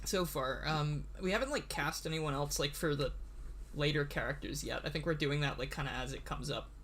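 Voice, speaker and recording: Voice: mid-range voice, a little fast, fairly bright tone. Chatty, nervous livestream host. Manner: chatty, stammering, laughs often. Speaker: livestream host and series writer. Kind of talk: casual livestream chat.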